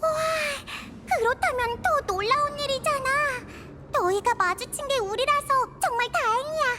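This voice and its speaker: An extremely high, cartoonish character voice with a warm tone. It breaks into long, frequent pauses over music in the background. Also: moderate pace. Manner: casual, warm.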